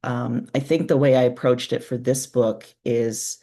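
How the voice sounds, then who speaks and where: A woman's voice: very deep voice, fairly even intonation, measured pace, dark tone. A woman speaking as a guest author in a casual interview, explaining her thinking in an informal, reflective way. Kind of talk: casual, conversational interview answers.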